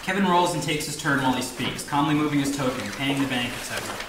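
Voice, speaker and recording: A man's voice: mid-range voice, quick pace. A man reading stage directions as scripted narration at a table read. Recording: distant, very echoey, noisy room.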